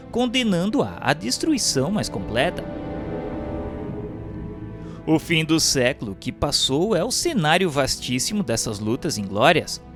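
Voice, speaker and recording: A man reading scripted narration in a formal, solemn, measured manner. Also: on the high side, a bit bright. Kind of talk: scripted audiobook-style narration of a spiritual history text. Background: instrumental music.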